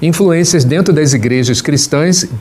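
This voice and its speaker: A man's fairly high voice at a fairly slow pace, with ordinary pitch variation and noticeable background noise. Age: 60s. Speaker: Senate candidate and pastor. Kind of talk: interview.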